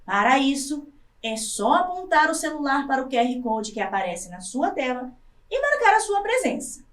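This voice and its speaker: A Brazilian Portuguese-speaking woman teaching a recorded lesson for adult learners, slowly sounding out syllables one by one. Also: high-pitched, big pitch swings, a bit bright, recorded from a distance. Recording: echoey room, voice off-mic.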